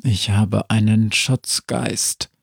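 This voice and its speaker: Weary storybook zombie played by a man, low and slow, dry close sound. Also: steady tone, gravelly, slightly rough, no room sound, heavily acted. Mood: fearful. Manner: slow, low murmur, sometimes whispered.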